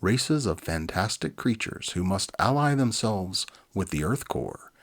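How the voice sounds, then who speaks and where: A man in his forties hosts a children's book reading, blending expressive narration with casual, enthusiastic asides. He has a deep voice and reads at a measured pace.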